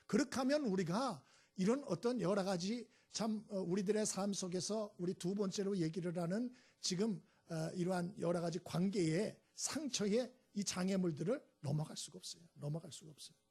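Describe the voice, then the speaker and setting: A male pastor with a warm, husky voice that sits high delivers a sermon at a moderate pace. He tells stories and prods the congregation with short questions like "예?" and "음?".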